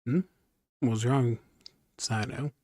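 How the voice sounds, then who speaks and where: A man's voice: medium pitch, steady tone, slow pace, warm tone, no room sound, clean studio sound. A man giving casual gaming commentary with irreverent, joking, sweary asides. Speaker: streamer, gamer. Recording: faint noise and clicks.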